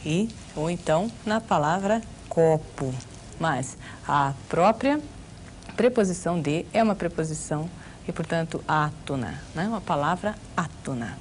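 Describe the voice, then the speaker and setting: A woman with a Brazilian Portuguese accent teaches grammar in an exam-prep video lesson, explaining patiently and posing rhetorical questions. Her voice sits low and is expressive and a little slow, with a slight hiss or hum.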